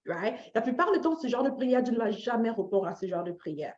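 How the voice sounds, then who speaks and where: Fairly quick and animated, this Canadian woman has a fairly high voice with a darkish tone as she teaches personal finance informally and live, with a motivational tone. Listeners get direct questions and check-ins, along with phrases repeated for emphasis and short English tags. The audio is lo-fi and slightly dull, with a roomy echo.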